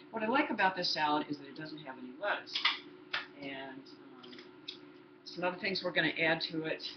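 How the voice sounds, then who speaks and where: A woman in her sixties giving a chatty home cooking demonstration in her kitchen, explaining each step to the viewer. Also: low-pitched. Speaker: cooking instructor. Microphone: laptop built-in mic. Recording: roomy, dull lo-fi laptop sound with background noise.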